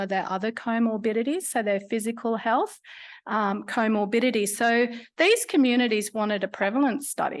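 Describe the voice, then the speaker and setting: With an Australian accent, a woman speaks at a moderate pace and a fairly high pitch, with ordinary pitch variation over a quiet background. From North Western New South Wales, Australia. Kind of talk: conference plenary talk. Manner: casual, humorous.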